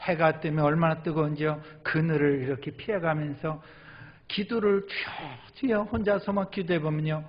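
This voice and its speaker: A middle-aged male pastor preaching a sermon, telling his own stories with animated delivery and acting out his prayers. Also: a little high, moderate pace. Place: church sanctuary. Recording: reverberant hall, dull lo-fi sound.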